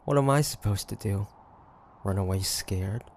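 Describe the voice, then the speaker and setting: A man playing a cocky, stubborn demon hunter of the 1850s in a dramatic audio roleplay, theatrical and halting. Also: lowish voice, a little mellow. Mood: taunting, smug. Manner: theatrical, taunting, halting with sighs and pauses.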